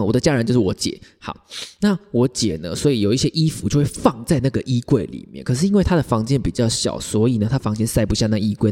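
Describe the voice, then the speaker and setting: A man, hosting a podcast and telling a story in casual chat, often laughing. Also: fairly low pitch. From Taiwan. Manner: animated, laughs often, acts out quoted arguments. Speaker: podcast host. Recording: echoey room with long reverb.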